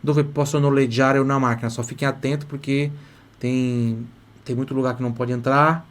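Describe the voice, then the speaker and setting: A man leads a live online Italian lesson, speaking at a middle pitch. He patiently repeats each phrase in slow, careful drills and keeps urging students to say them out loud. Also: level tone. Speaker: Italian teacher.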